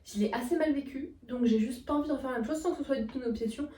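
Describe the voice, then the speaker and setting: A woman's voice: sits high, racing, warm tone. Chatty French woman in an echoey room. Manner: chatty, many fillers, enthusiastic. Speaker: vlogger. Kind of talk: casual room tour. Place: small student bedroom. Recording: roomy, from a distance, faint noise.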